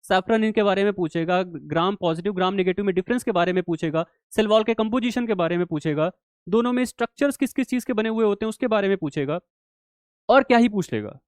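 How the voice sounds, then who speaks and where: Speaking quickly in a high-pitched voice, a young man solves quiz questions during a casual live online exam-prep class. He keeps checking in with his students, calling them bhai and repeatedly saying "theek hai" and "clear". No room sound is audible.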